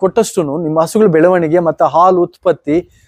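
High-pitched for a man, his voice shows ordinary pitch variation in a dry, close sound with no echo. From Bengaluru Rural, Karnataka. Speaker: dairy farmer and silage producer. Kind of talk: interview.

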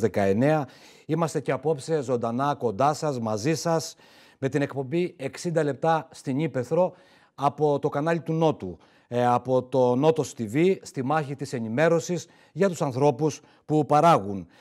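Speaking fairly slowly, a man keeps ordinary pitch variation in a quiet background. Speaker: TV presenter. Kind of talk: broadcast show introduction. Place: studio. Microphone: lapel.

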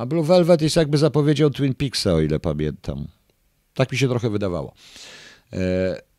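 Long, frequent pauses break up a man's dark, mellow voice, which moves at a moderate pace with very wide pitch swings. The sound is dry with no echo, and the background is quiet. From Poland. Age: 60s. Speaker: online political commentator. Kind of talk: livestream monologue answering viewer comments. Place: home room. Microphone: handheld.

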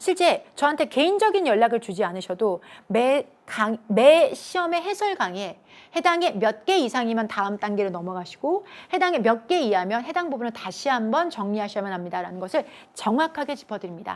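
At a moderate pace, a woman with a fairly high pitch talks with very wide pitch swings. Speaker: English teacher for civil service exam prep. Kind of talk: lecture. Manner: animated.

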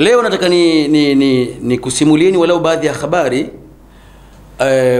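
The pace is moderate. A man's pitch varies in an ordinary way as he talks. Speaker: religious teacher. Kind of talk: sermon. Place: studio. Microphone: handheld.

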